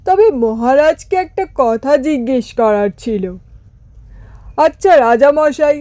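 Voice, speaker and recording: A woman voicing an eager, fawning, food-loving royal minister in a cartoon fairy tale, with drawn-out, deferential phrasing. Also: sits high, a little mellow. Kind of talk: Bengali animated fairy-tale dialogue.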